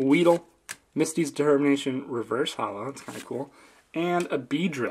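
Speaking at a moderate pace, a man with a fairly high pitch and ordinary pitch variation shows big swings in loudness. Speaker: YouTuber opening trading card packs. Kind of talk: casual unboxing commentary. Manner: subdued, low energy.

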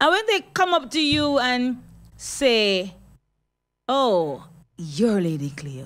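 This is a woman speaking. Her pitch swings very widely. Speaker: radio talk show host. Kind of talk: radio host chat. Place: studio.

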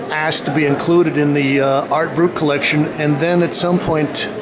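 Moderate-paced male speech with noticeable noise behind it. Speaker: art critic vlogger. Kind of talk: commentary. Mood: calm reflective. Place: hall. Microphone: phone near.

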